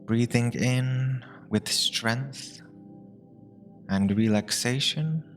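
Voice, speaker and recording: A man narrating a guided meditation in a soothing, measured way, leaving long pauses between short phrases. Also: mid-range voice. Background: meditation music with binaural tones.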